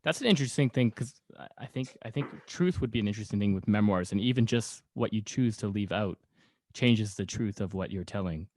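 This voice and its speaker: A man's voice: on the low side, fairly quick, darkish tone, no room sound. A man hosting a casual interview, rambling a little as he searches for words. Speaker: podcast host.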